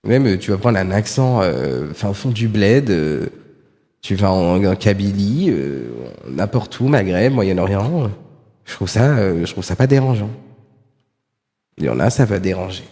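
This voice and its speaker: A man streaming live, tossing out sarcastic, rambling remarks full of hesitations. His voice sits a little low, and it rings with a long reverb as if the room were large and bare. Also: expressive, unhurried, dark tone. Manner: sarcastic, rambling, many fillers. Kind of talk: live reaction commentary.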